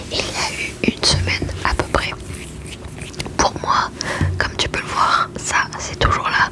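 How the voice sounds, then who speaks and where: Whispering comes at a very slow pace with long, frequent pauses. Noticeable background noise is present. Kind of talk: casual talk to listener. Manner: whispered.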